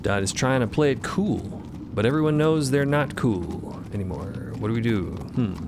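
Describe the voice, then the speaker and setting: A man's voice: mid-range voice, lively intonation, moderate pace, background noise. A man narrating a scripted story in the present tense, with wry conversational asides. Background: prominent music.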